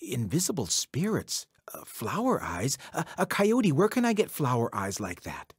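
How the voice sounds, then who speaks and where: Man playing a grumpy old woman, husky and wavering. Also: mid-range voice, huge pitch swings, normal speed, no echo, clean studio sound, full character voice. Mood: covetous. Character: grumpy, gullible old woman digging roots.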